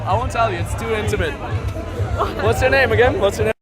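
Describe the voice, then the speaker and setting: Cocky man in a loud club. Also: high voice, fast. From Austria. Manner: cocky, teasing, blunt. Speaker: host approaching women. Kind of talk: nightlife pickup footage. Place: busy bar or club. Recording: loud club music and crowd noise. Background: loud music and crowd.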